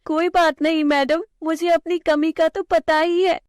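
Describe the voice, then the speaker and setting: A woman voicing a timid dark-skinned schoolgirl who pleads in a shaky, high voice. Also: little pitch movement, measured pace, no room sound, studio quality. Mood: sad pleading.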